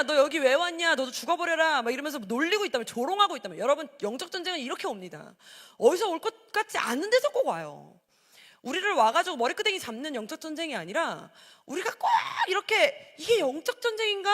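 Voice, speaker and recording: A woman evangelist preaching a sermon, acting out quoted voices and swinging from shouting to hushed tones. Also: sits high. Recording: hall with long reverb.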